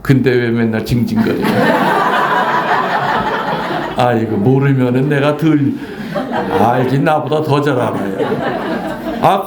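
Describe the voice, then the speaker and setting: An older man, a Catholic priest, giving a playful sermon, teasing the congregation and acting out voices in a folk story. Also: a little high. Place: church. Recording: echoey church room, faint ambience.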